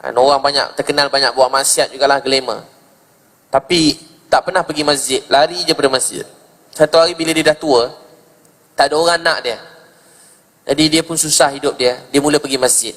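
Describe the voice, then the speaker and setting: A man's voice: medium pitch, fairly even intonation, a little fast, fairly bright tone. A man preaching a sermon in Malaysian Malay, telling stories and repeating phrases for emphasis, with dramatic rises when he quotes. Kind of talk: sermon storytelling. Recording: long hall reverb.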